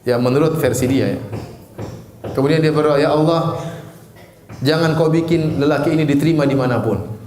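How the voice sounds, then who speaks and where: A middle-aged male preacher with an Indonesian accent, his voice sitting a little high for a man. He teaches by firing questions at the room and answering them himself, with a joking edge. The sound is roomy, as if recorded in an echoey lecture hall. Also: fairly quick, long pauses, darkish tone, slight background noise. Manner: jokes and laughs while acting out angry prayers. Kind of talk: Islamic study lecture.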